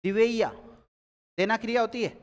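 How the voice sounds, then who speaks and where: A man's voice: high voice, normal speed, big-room sound. A man teaching a grammar class, quizzing his students and repeating key words as they take notes.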